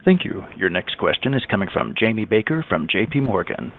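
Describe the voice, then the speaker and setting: A man with a low voice and lively pitch movement gives scripted operator announcements. The audio is phone-like, with faint noise. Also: a little fast, gravelly. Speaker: conference call operator. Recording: noisy, narrow phone-line audio.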